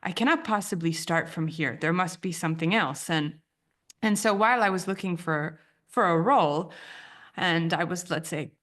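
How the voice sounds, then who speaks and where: A branding editor in her thirties, who spent her childhood in Romania before being raised in the US and whose first language is Romanian, is interviewed reflectively on a podcast. Her slightly low, fairly bright voice moves at a moderate pace. She is thoughtful, circling back, repeating and restarting phrases as she goes.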